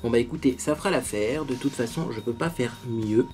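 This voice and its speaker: A man of ordinary middle pitch talks viewers through his makeup in a loose, chatty way. He pokes fun at his own efforts and keeps tossing in small asides to the audience. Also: a little fast, a little mellow, soft background music. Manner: chatty, self-mocking, tags sentences with "hein". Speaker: beauty vlogger. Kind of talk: casual makeup tutorial.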